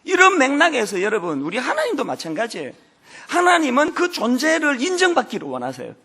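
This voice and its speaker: Lively male pastor, fifties, joking sermon delivery, gravelly husky tone, wide swings in pitch. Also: fairly quick. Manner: joking, animated preaching with playful asides. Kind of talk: humorous sermon.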